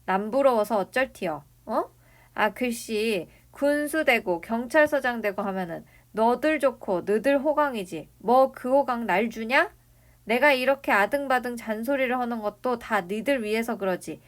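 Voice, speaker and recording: A woman's voice: a little high, normal speed, lightly acted. Woman doing a nagging old grandfather with a Jeolla accent. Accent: Jeolla dialect. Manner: nagging, bullying, scolding. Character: greedy, domineering old rich grandfather. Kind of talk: dramatic reading of a novel.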